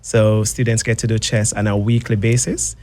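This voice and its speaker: A man's voice: on the low side, flat delivery, moderate pace, a little mellow. A man, a coach and guest on a radio show, explaining a program in an upbeat way. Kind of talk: radio interview. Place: radio studio.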